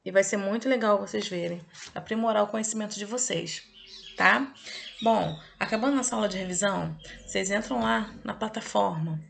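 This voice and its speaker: A woman gives a recorded lesson to young children in a gravelly, slightly creaky voice. She leans on each key word and drops frequent "okay?" checks to the class. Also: medium pitch, fairly bright tone, slight background noise. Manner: didactic, drawn-out emphasis, checks in with "ok?" and "tá?". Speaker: teacher. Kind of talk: online review lesson for children.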